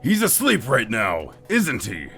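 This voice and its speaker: A man playing a short-tempered, battle-hungry god of war with a raspy voice and a pompous, commanding manner in a dramatic story. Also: mid-range voice, wildly swooping pitch, measured pace, bright, forceful tone, faint music behind, heavily acted. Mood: haughty, disdainful. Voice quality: gravelly, raspy. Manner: pompous, commanding, formal speech. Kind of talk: dramatic fan-story character acting.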